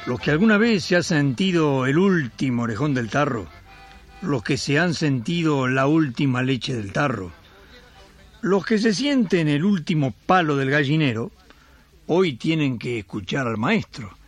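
A man's voice: a little high, lively intonation, measured pace, soft background music. An Argentine-accented man hosting a religious radio programme in scripted, folksy, rhythmic talk. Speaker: radio host.

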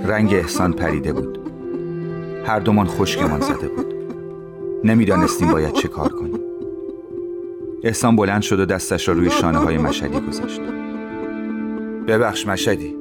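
A man giving calm, measured first-person narration for an audio drama. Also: low-pitched, over loud music.

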